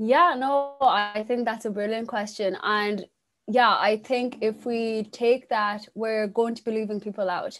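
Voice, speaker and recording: A woman's fairly high voice, fairly slow and fairly even in intonation, over background music. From Kenya, raised in Ireland. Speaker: PhD student and researcher. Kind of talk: casual interview chat. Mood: earnest, thoughtful. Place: home room. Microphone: video call.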